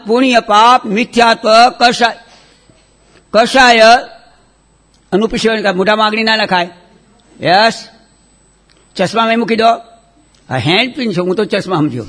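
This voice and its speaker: A man teaching children a religious lesson, chanting terms loudly for them to repeat, then dropping to quick, quiet scolding. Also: extremely high pitch. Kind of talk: call-and-response chanting lesson.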